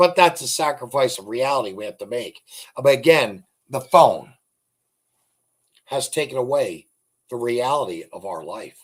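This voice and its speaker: A man speaks at a moderate pace with a medium pitch and vocal fry, his lively intonation and big swings in loudness broken up by long, frequent pauses. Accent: American. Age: 60s. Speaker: political commentator. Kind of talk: opinion monologue. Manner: animated; halting.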